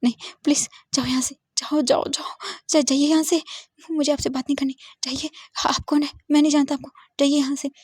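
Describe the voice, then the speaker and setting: A woman's voice: a little high, flat delivery, racing, darkish tone, husky, dry recording, studio quality. A woman voicing a distressed young man who pleads tearfully and insists that someone leave. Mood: frantic pleading. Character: young man, pregnant, hurt and frantic.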